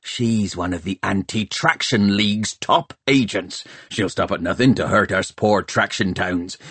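A man voicing a gruff, blustering pirate mayor in an audiobook, snarling and hissing with rough, ungrammatical speech. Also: lowish voice, a bit bright, no echo. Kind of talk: audiobook character voice.

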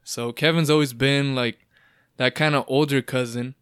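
A man's voice: mid-range voice, steady tone, moderate pace, clear, resonant tone, dry recording, clean studio sound. A man in his twenties hosting a casual podcast, chatty and rambling with an upbeat manner. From Southern California. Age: 20s. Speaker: podcast host.

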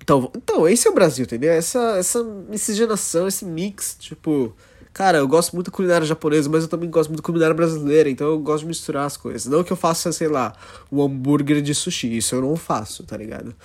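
A man's voice: on the high side, fast talker, darkish tone. A man from São Paulo with a São Paulo accent, hosting a casual solo podcast and rambling with slang and self-interruptions. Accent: São Paulo Brazilian Portuguese. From São Paulo, Brazil. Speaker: podcast host.

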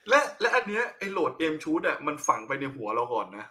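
A man's voice: fairly high pitch, sing-song, fast talker, bright, forceful tone. A man explaining a film's plot enthusiastically in casual chat, swearing now and then. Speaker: film discussion panelist.

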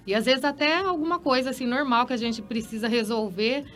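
A woman's voice: sits high, fairly quick. Woman, middle-aged, wedding planner, earnest, faint background music. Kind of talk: casual panel chat.

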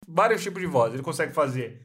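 A man's voice: on the high side, expressive, fast, fairly bright tone, breathy edge. A young man co-hosting a podcast, chatting casually, slangy and laughing often. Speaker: podcast co-host. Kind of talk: casual chat.

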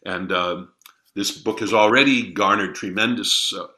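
A man with a low, bright voice hosts a morning radio show from the studio. He speaks in a measured, formal manner, filling pauses with frequent "uh"s as he introduces and questions a guest. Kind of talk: radio interview.

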